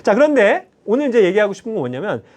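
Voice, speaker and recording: A male lay preacher delivers a sermon in a church, animated and constantly checking in with his listeners. His voice sits high and leaps widely in pitch. He keeps the congregation engaged with short questions. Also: fast talker.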